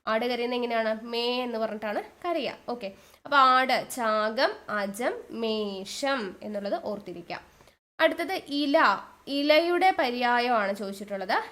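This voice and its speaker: A woman with a fairly high voice teaches an online exam coaching lesson. She drags out each key word and says it twice. She keeps asking the class questions and answering them herself. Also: a bit bright.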